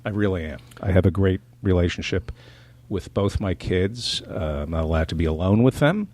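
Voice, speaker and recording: A middle-aged man from New Jersey, a comedian guest on a casual podcast, trading sardonic, self-mocking jokes in a dry deadpan. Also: low-pitched, moderate pace.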